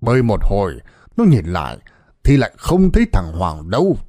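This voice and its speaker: A man's voice: lowish voice, wildly swooping pitch, moderate pace, warm tone, dry recording, clean studio sound. Dramatic male horror storyteller. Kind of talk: scripted horror narration.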